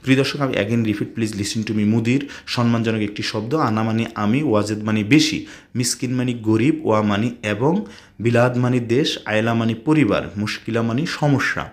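A man with a Bangladeshi accent teaching basic spoken Arabic, repeating each word slowly and mixing in English phrases. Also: medium pitch. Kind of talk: spoken language lesson.

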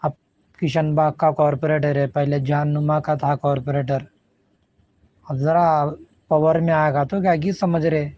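A man's voice: fairly high pitch, flat delivery, unhurried, warm tone. A man with a Hyderabadi accent speaking informally in a recorded voice message. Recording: muffled lo-fi phone recording.

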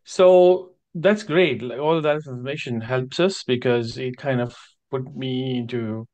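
A man's voice: medium pitch, a little slow, a little mellow. A man coaching someone in a casual, encouraging way over an online call. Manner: encouraging, affirming. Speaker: career coach, host. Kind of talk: casual advisory conversation.

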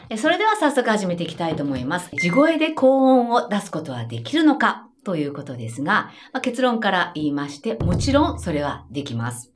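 A woman vocal coach giving a friendly, lively singing lesson and explaining voice types clearly. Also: lowish voice, brisk, hardly any pauses, soft background music.

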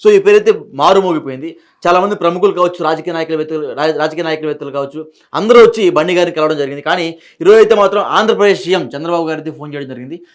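Brisk male news host, higher voice. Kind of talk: news presenting, questioning a guest.

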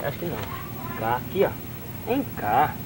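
A man's voice: medium pitch, sing-song, normal speed. Brazilian man on noisy old tape. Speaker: amateur camera operator filming family. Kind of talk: casual chat while filming. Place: outdoors in a rural yard. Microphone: camcorder microphone. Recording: old worn home-video tape, noisy.

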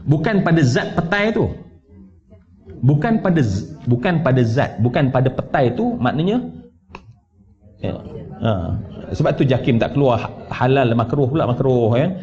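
A man's voice: mid-range voice, measured pace. A man with a Malaysian Malay accent teaching a conversational Quran commentary class in a mosque, asking his listeners questions and dropping in English words. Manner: animated, conversational, asks the audience questions and mixes in English words. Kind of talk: mosque lecture. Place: large mosque hall. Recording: dull livestream audio from a mosque.

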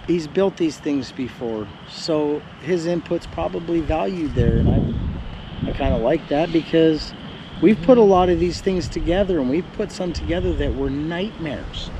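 A middle-aged man talks in a blunt, storytelling way from a camp chair in a yard. The camera sits a few meters off, so the sound is open and outdoorsy. Steady background noise runs under his voice. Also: fairly high pitch. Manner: blunt, storytelling, animated when recounting. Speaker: homesteading vlogger. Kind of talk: casual chat. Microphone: camera a few meters away. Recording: noisy outdoor camera audio.

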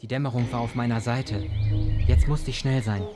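A man's voice: mid-range voice, fairly even intonation, moderate pace, music in the background, close to an everyday voice. An actor playing a grim, resolute man recounting his ordeal in an audio drama. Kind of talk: audio drama acting, storytelling. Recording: clear vehicle noise behind voice.

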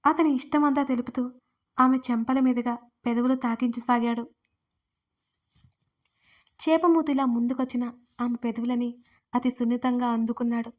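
Even-toned woman narrating a romance story. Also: a little high, moderate pace, pauses often. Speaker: writer and narrator.

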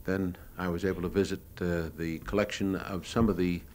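Speaking off the cuff over his own war footage, an American newsreel cameraman reminisces plainly and with some hesitation. His voice sits low and a little mellow, flat in delivery and fairly quick, on a noisy old live talk recording of his home movies.

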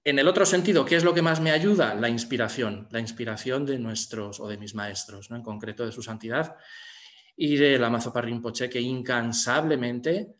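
A man's voice: mid-range voice, moderate pace, fairly bright tone. Male monk, fifties, Spain accent. Mid-range voice, reflective explanation, repeats phrases for emphasis. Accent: Spanish from Spain. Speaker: Buddhist monk speaking on a panel. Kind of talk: reflective informal talk. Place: room indoors. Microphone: computer mic on video call.

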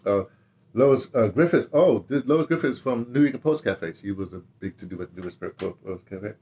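An older American man speaks in a fairly low voice. He reminisces informally to camera, rambling and halting, often repeating a word before moving on. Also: expressive, warm tone, slightly rough. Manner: rambling, halting delivery, repeating words, checking notes aloud. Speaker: radio drama producer recalling past productions. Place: small book-lined room at home, indoors.

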